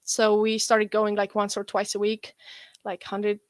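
A young woman with an Estonian accent, a guest athlete chatting in an interview, relaxed and rambling with many fillers. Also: mid-range voice, unhurried, no room sound. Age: young adult. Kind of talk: casual interview chat.

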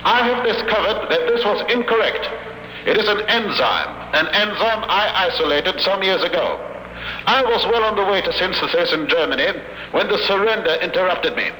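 An actor playing a pompous, megalomaniac European scientist who gloats formally and menacingly in an old radio drama. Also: male voice, sits high, animated, normal speed, pushed and bright. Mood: smug gloating. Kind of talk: 1950s radio drama acting. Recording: echoey, noisy vintage 1950 radio broadcast.

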